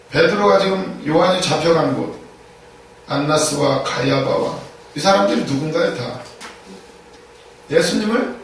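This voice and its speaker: A man's voice: on the high side, creaky, fairly bright tone. A man preaching a sermon as a pastor, emphatic, repeating key phrases and asking rhetorical questions. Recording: echoey room, distant mic, faint noise.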